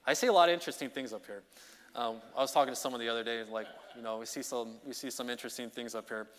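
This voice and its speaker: A man preaching an informal midweek sermon as song leader, talking in a conversational, energetic way that keeps checking in with the congregation. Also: medium pitch, very fast. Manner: conversational, energetic, often checks in with "okay?" and "you know". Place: church sanctuary. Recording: long reverb of a church hall.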